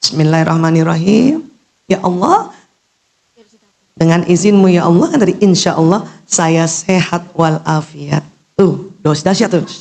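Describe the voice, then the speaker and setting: A middle-aged woman giving an animated religious lecture to women, posing questions and answering them herself, with a teasing manner. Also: lowish voice, a little slow, long pauses. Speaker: Islamic lecturer and doctor.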